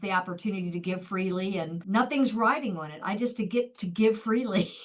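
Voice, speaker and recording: The woman's delivery is fairly brisk and her intonation stays fairly flat. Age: 60s. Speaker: business chamber CEO and award-winning alumna. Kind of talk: interview conversation. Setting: video call.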